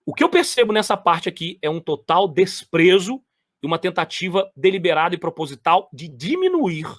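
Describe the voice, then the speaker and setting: A man reacts to lecture clips, addressing his viewers directly. His voice sits high and swings widely as he stresses and repeats phrases. The sound is dry and close, with no room around it. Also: fairly bright tone, no echo. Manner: emphatic, repeats phrases, talks straight to viewers. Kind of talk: commentary on replayed lecture clips.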